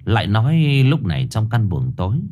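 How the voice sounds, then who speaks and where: A man's voice: fairly low pitch, big pitch swings, brisk, a little mellow, slight background noise. Dramatic male ghost-story narrator. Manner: dramatic, suspenseful reading.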